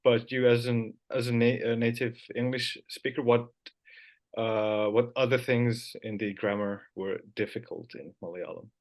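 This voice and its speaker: A man's voice: mid-range voice, steady tone, normal speed, darkish tone. A man whose first language is Finnish, hosting a podcast and asking thoughtful questions with hesitations. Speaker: podcast host. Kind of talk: casual interview.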